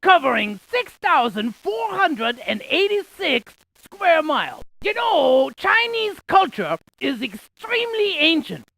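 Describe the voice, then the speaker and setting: A woman's voice: high-pitched, vocal fry, fairly bright tone, full character voice, poor audio. A woman playing a quirky, chatty scientist in an educational game, delivering facts with theatrical emphasis and wordplay. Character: quirky, chatty female scientist spouting geography trivia. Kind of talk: animated educational game character lines.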